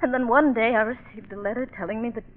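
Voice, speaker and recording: A woman's voice: fairly high pitch, steady tone, fast talker, narrow, tinny audio, close to an everyday voice. An actress playing an anxious, tearful young woman, faltering and melodramatic, in 1940s radio style. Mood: sad, hesitant. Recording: echoing, thin vintage radio recording.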